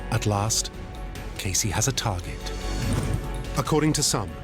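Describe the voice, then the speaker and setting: A man reads documentary narration in a low, measured voice. His delivery is grave and steady, built for a serious factual film. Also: over loud music. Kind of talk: scripted narration.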